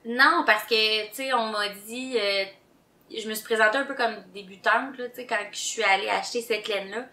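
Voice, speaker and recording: Québécois woman cohosting, bright voice, lots of um and restarts, sounds roomy. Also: fairly high pitch, fairly even intonation, normal speed. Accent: Québécois French. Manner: hesitant, many fillers and restarts, enthusiastic. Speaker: podcast co-host. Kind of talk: casual chat. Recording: roomy echo.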